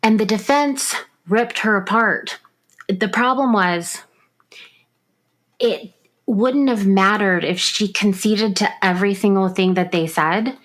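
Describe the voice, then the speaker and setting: Co-hosting a true crime podcast, a woman with a medium-pitched voice builds her argument step by step. It's a casual discussion, and she uses plenty of fillers.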